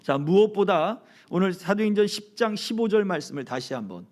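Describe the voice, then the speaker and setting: With a high voice, lively intonation, and a fairly quick pace, a man preaches an animated Sunday sermon as pastor. He questions the congregation and leads everyone in reading aloud together.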